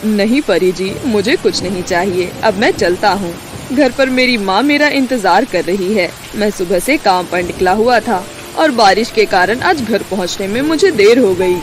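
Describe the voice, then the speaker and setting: A woman playing a poor, humble young cobbler, polite and dutiful, in an animated fairy tale. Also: mid-range voice, moderate pace, a little hiss or hum, close to an everyday voice. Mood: modest. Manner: polite, modest.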